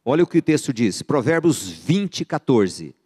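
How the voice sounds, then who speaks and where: A man's voice: medium pitch, unhurried, husky. Brazilian man teaching in reverberant church. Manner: lively storyteller who acts out buyer and seller dialogues. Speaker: financial course teacher at a church. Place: church sanctuary.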